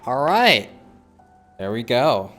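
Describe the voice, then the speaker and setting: A man's voice: medium pitch, big pitch swings, slow, fairly bright tone. A young man giving casual livestream commentary on a game in an informal, slangy way. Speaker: game streamer. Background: faint game music.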